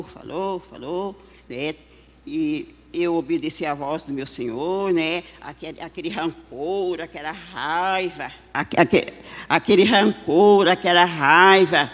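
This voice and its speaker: A woman giving an emotional church testimony in a halting way, full of filler tags and restarts. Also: on the low side. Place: large church hall. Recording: long reverb of a church hall.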